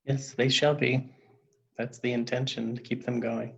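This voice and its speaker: A man's voice: mid-range voice, little pitch movement, moderate pace, vocal fry, a bit bright. A man hosting an online group, giving informal remarks over a lo-fi call. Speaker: online meditation host. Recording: dull lo-fi call audio.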